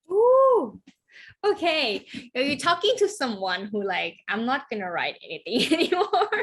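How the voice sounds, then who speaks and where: In a very clean recording with a silent background, a woman with a Thai accent speaks fairly slowly in a high pitch with very wide pitch swings. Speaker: podcast host. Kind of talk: interview.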